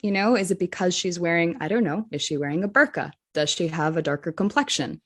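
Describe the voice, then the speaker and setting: A woman's voice: fairly low pitch, lively intonation, brisk, fairly bright tone. A woman with a Rhode Island accent co-hosting a teachers' podcast, talking earnestly and thinking aloud through rhetorical questions. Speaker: podcast co-host, English teacher. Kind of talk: scripted podcast discussion.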